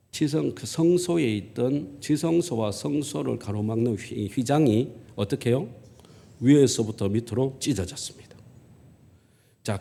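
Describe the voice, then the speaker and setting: A man's voice: medium pitch, gravelly. An older man with a Gyeongsang accent preaching a sermon as a pastor, telling stories and acting out conversations in dialect. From South Korea. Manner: lively storytelling, acting out dialogue in dialect. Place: church sanctuary. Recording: long church hall reverb.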